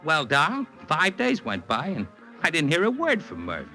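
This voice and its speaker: An actor playing a nervous, fast-talking male Hollywood agent who narrates a 1950s radio drama, wheedling and excitable. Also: on the high side, loud music behind the voice. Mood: harried. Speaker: harried talent agent and narrator.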